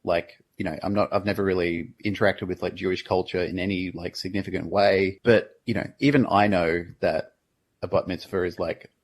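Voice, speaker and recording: A man's voice: low voice, fairly even intonation, brisk. A man co-hosting a podcast, giving casual, conversational commentary. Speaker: podcast co-host.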